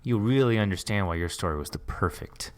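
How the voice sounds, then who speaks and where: Encouraging male podcast host, lowish voice. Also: expressive, fairly quick. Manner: encouraging, affirming. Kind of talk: casual interview chat.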